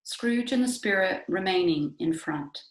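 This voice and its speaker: A woman's voice: medium pitch, lively intonation, a little slow. A woman narrator reading stage directions from a script in a plain scripted style. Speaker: narrator, library staff. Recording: echoey room with background noise, clicks.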